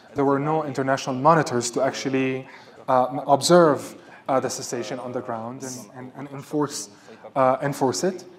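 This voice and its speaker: Someone with an Arabic accent speaks at a moderate pace, with fairly even intonation. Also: man, medium pitch for a man. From Syria. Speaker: activist. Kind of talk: panel discussion. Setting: stage with audience.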